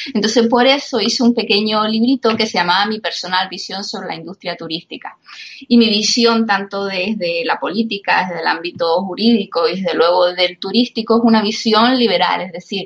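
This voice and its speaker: Here a woman with a medium pitch speaks at a fairly quick pace. She leaves hardly any pauses. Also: ordinary pitch variation. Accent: Canarian. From Canary Islands. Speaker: writer and former local politician. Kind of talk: interview. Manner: halting.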